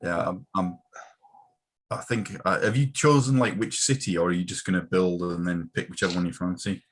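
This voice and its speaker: Low husky-voiced man chatting. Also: steady tone, normal speed, a bit bright. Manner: hesitant, many ums. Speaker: podcast co-host. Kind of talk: casual chat.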